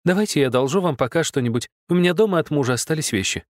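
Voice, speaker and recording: A man's voice: on the high side, expressive, rapid-fire, dry recording, clean studio sound, voice pushed up, lightly acted. A man voicing a flustered, earnest young woman who keeps apologizing, in an audiobook.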